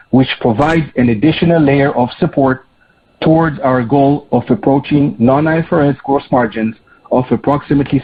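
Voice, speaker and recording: A man speaking as a chief executive, reading prepared earnings remarks in a formal, measured business manner. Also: medium pitch, slightly rough. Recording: slightly dull, lo-fi conference call audio.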